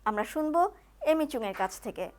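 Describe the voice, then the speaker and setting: A woman hosting a television language lesson, explaining each sentence clearly to viewers. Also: fairly high pitch, animated, fast talker. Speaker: TV talk show host.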